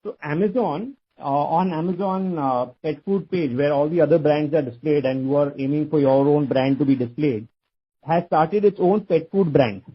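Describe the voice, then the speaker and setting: A man's voice: on the high side, moderate pace, breathy edge. A man calling in to an earnings call with a long question that he restates. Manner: wordy, circling back to restate the question. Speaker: analyst caller. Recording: muffled phone line.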